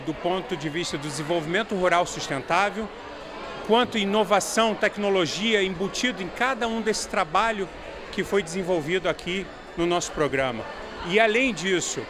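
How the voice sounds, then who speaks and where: A man in his forties with a Brazilian accent, an academic coordinator, interviewed on a handheld microphone. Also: sits high. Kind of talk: news interview. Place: indoor event hall. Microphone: handheld reporter microphone. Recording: clear background noise, event ambience.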